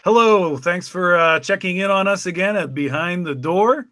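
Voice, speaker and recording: Man with a slightly high voice hosting a podcast. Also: moderate pace, sharp tone, dry recording. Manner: chatty, joking introductions. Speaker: podcast host. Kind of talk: casual podcast introductions.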